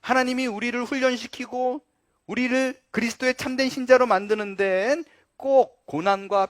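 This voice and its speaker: A male pastor preaches with a fairly high voice and earnest force. He leans hard on key points, then drops low and quiet for asides. The sound is close and dry, with no room echo. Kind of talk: sermon.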